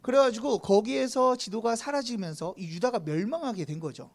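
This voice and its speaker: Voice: medium pitch, normal speed. A preacher giving a casual sermon at a church youth service, chatting with the teenagers, asking them questions and counting them in to read together. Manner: chatty, asks the students questions; leads group reading with a count-in.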